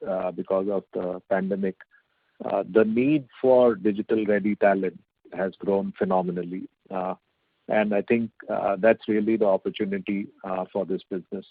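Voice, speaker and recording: A male company executive giving halting, measured, hedging answers on an earnings call over a conference phone line. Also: on the low side, no echo.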